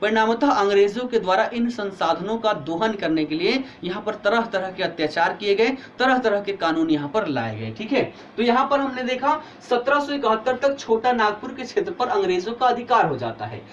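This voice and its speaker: A man's voice: high-pitched, very animated, fairly quick, hardly any pauses, highs cut off, slight background noise. A male teacher giving an online exam-prep history lecture, explaining step by step and asking students questions, tired with a headache.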